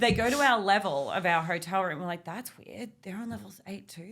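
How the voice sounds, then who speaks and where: Fairly quick, animated speech with lively intonation in an Australian accent, on a very clean recording with a silent background. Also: woman. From Australia, Melbourne. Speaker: fitness trainer. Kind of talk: casual chat.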